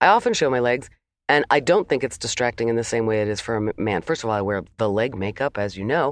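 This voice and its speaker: Very fast speech against a quiet background. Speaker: podcast co-host, aspiring voiceover artist. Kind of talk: casual banter. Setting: home closet studio.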